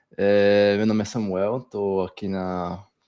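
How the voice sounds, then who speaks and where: This man's voice has a dark, mellow tone. The background is quiet. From Pernambuco, Brazil (Araripina and Recife). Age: 20s. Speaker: software developer. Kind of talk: online masterclass presentation. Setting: live stream with screen share. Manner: halting, many repetitions.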